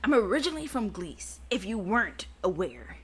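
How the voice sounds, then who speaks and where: Snobbish high-society crew member from a game, bright tone, lively pitch, read by a woman. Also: normal speed, a little hiss or hum. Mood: smug. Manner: reading game dialogue aloud in a plain voice. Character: snobbish upper-class ship crew member.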